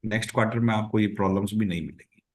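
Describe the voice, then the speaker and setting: A man's voice: on the low side, fairly even intonation, racing. A man with an Indian accent answering as a company executive on an earnings call, explaining step by step and repeating phrases for emphasis.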